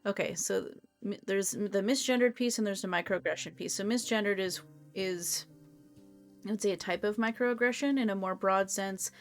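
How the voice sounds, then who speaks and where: A woman's voice: mid-range voice, gravelly. A woman giving casual, thoughtful explanations as a co-host, with conversational asides.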